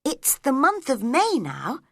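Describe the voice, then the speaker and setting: A woman's voice: high voice, huge pitch swings, takes it slowly, gravelly, fairly bright tone, dry recording, clean studio sound, voice pushed up, exaggerated voice. A woman voicing a polite, curious young girl in a storybook reading, with a raised, questioning voice.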